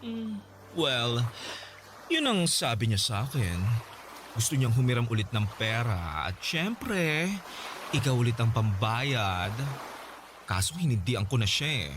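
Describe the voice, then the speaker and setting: A smug, manipulative rich older gay man in a radio drama. His teasing, sing-song voice rises and falls widely as he talks. A steady noise sits under the recording. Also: mid-range voice, measured pace. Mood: knowing.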